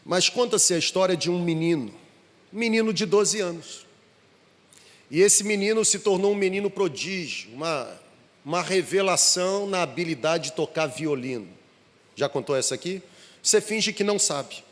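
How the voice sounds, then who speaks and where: A man's voice: high-pitched, lively intonation, moderate pace. A Brazilian man, a guest pastor, telling a story in a sermon and addressing the congregation directly. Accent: Brazilian Portuguese. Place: large church auditorium. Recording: reverberant church hall.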